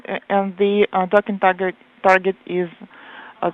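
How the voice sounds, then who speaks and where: A woman's voice: medium pitch, level tone, normal speed, a little hiss or hum. A woman giving a live translation voice-over as interpreter, hesitant and full of filler sounds as she renders controllers' words. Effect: live translation voice-over on an audio loop. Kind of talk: simultaneous interpretation of flight control talk. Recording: narrow phone-like radio loop.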